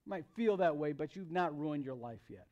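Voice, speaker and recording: This youth pastor, an American in his thirties, preaches a little fast in a fairly high, animated voice with a darkish tone. His sermon is conversational and emphatic, with phrases repeated for emphasis, and the audio is dull.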